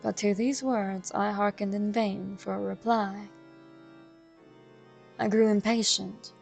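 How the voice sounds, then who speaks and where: A woman reading a classic horror tale aloud in a slow, measured, darkly dramatic way. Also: medium pitch, steady tone, vocal fry, darkish tone. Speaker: horror story narrator. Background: faint music.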